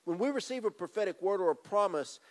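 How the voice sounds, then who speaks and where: Expressive and quick, a middle-aged pastor preaches through a handheld microphone, his voice slightly higher than typical for a man. Moving across a church stage with a drum kit, he speaks directly to the congregation and drives his points home with repeated phrases.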